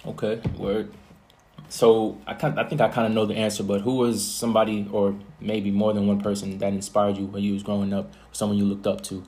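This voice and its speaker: A man's voice: on the low side, flat delivery, a little fast, darkish tone. A young man hosting an interview, talking in laid-back, slangy chat. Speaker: interview host. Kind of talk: casual interview conversation.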